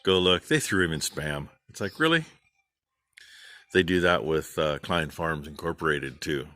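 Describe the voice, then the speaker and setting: A middle-aged man, a farmer vlogging, giving rambling, plain-spoken shout-outs in a casual way. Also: a bass voice, fairly even intonation, normal speed, no room sound. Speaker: farm channel vlogger.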